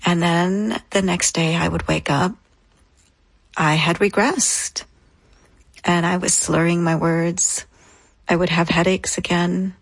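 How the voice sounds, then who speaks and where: An earnest woman in her thirties tells her own story as an interview guest, in short, reflective phrases. Her voice sits a little low with a husky edge. The sound is close and dry. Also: steady tone, slow, pauses often, no room sound.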